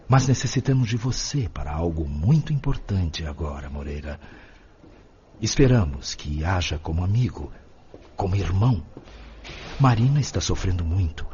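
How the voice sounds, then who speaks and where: An actor playing a wise, compassionate spirit guide in a radio drama, speaking gently and solemnly. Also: male voice, deep voice. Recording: muffled with faint background noise.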